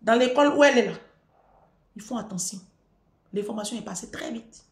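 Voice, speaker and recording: A middle-aged woman vlogging, telling a story and giving advice in an emphatic way, repeating her phrases and rising to near-shouting at her peaks. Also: fairly high pitch, brisk, reverberant. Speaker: vlogger answering a viewer.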